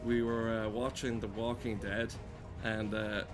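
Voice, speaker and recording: A man's voice: fairly low pitch, little pitch movement, measured pace, over music. A man casually streaming a game, rambling and swearing with dry, joking commentary.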